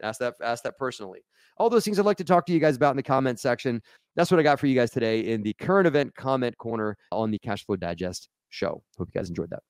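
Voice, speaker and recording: Male podcast host, quick and lively, dry studio sound. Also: mid-range voice, clear, resonant tone, dry recording. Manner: energetic, talks fast with restarts and asides to viewers. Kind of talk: casual podcast monologue and interview.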